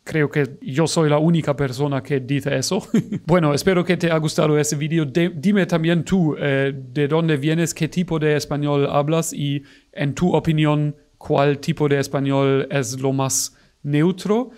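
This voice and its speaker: A German man speaking Spanish with a German accent, chatting casually as a reaction host, self-mocking and quick to laugh. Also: fairly high pitch, steady tone, a little mellow.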